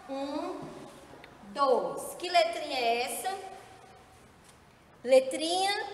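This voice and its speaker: A woman teacher explaining a board game to young children, counting aloud slowly and coaxing them along, recorded in an echoey room from some distance away. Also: sits high, a bit bright, a little hiss or hum.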